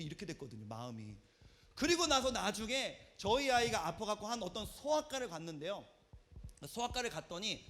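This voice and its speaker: Animated high-voiced male youth pastor. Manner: animated storytelling, acts out quoted voices. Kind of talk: lively youth retreat sermon. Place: church hall at a youth retreat.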